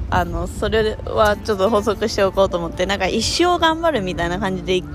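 A woman speaks fairly quickly while noticeable background noise plays behind her. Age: 20s. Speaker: podcaster. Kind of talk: casual chat. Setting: outdoors.

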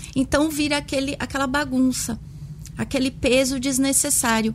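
The speech keeps a moderate pace while noticeable background noise is heard beneath it. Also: woman. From Brazil, São Paulo. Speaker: lawyer. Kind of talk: interview. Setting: live-streamed video podcast.

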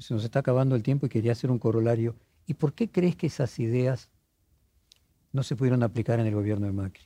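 A man talks very fast but with long, frequent pauses, his tone dark, mellow and somewhat breathy. The sound is dry and close, with no echo. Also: medium pitch for a man, ordinary pitch variation, quiet background. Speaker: journalist. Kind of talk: interview.

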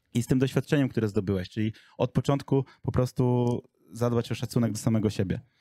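In a dry, close recording with no echo, a man of medium pitch talks at a very fast pace with a dark, mellow tone, fairly even intonation and very even loudness. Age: 30s. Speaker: podcast host. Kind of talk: casual chat.

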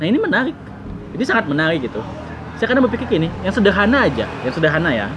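A man speaks at a very fast pace in a high voice with very wide pitch swings, with audible room echo and noticeable background noise. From South Kalimantan, Banjar. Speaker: podcast co-host. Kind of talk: casual chat.

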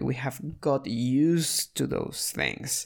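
A woman talks with a Spanish accent, her pitch varying in an ordinary way and touched with vocal fry. The recording is very clean, with a silent background. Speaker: podcast host. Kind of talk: solo podcast monologue.

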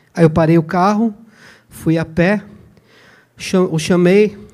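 A man talks with ordinary pitch variation. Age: 50s. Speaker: church member, business owner. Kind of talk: testimony.

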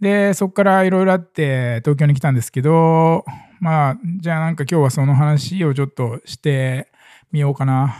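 Recorded very cleanly against a silent background, a man speaks at a moderate pace with ordinary pitch variation in a dry, close sound with no echo. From northern Kanto, Japan. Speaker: podcaster. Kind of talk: casual solo talk. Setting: office studio. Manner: casual, rambling.

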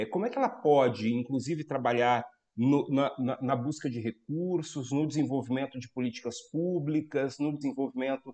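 A man speaks in a plain, everyday voice with a fairly high pitch. His pace is moderate and his pitch variation ordinary. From Brazil, São Paulo. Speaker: podcast host. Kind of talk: interview.

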